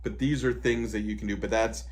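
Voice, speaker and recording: A man in his fifties, a disability advocate, explaining plans and supports in a relaxed interview, with frequent "you know" asides. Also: fairly low pitch, a little fast. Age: 50s. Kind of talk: conversational interview advice.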